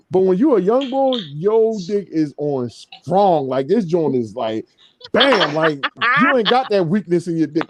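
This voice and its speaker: A man's voice: high-pitched, slight background noise. A man hosting a podcast, telling a story in casual, profane chat with frequent laughs over a video call stream. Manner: profane, animated, laughs often. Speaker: podcast host.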